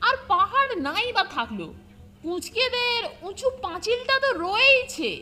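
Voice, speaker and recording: A woman's voice: very high voice, big pitch swings, moderate pace. A woman voicing an eager, boastful schoolboy in a comedy cartoon, with music behind. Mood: confident. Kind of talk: Bengali comedy cartoon dub.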